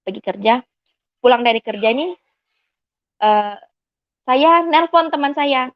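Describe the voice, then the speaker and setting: A young Indonesian woman tells her conversion testimony in a fairly high voice. She acts out the dialogue as she goes. The recording is dry and a little dull. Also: expressive, slow pace, dry recording. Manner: earnest storytelling that acts out quoted dialogue. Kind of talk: personal testimony.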